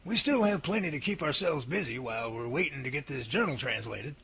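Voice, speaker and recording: A man's voice: on the high side, lively intonation, brisk, sharp tone, slightly rough, heavily acted. A man acting a folksy, earnest Bigfoot researcher in a radio drama, full of old-fashioned exclamations and homespun idioms. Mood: matter-of-fact. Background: music.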